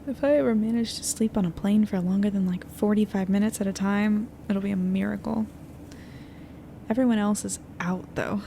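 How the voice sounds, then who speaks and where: A woman playing an anxious, weary young newspaper editor in an audio drama, confiding and hesitant as she thinks out loud. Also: mid-range voice, steady tone, moderate pace, gravelly, close to an everyday voice. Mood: weary, restless. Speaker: lead narrator of an audio fiction podcast. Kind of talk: intimate naturalistic audio drama monologue. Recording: noisy airplane cabin ambience.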